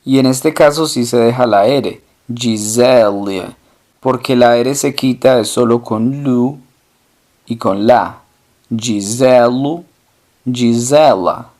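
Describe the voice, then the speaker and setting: A male teacher at an unhurried pace, working through drill questions and answers. He says each example word slowly and often twice. His pitch sits at an ordinary middle level. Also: darkish tone. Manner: poses questions, then answers slowly and deliberately, repeating example words. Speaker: language teacher. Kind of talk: slow language lesson with drill questions.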